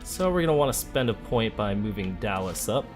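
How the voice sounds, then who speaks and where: Male let's play host, lower-pitched voice, casual and chatty, talking through moves over background music. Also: brisk. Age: adult, parent of a school-age child. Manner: relaxed, chatty, thinking aloud. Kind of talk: casual gameplay commentary. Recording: game music behind the voice. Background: video game music.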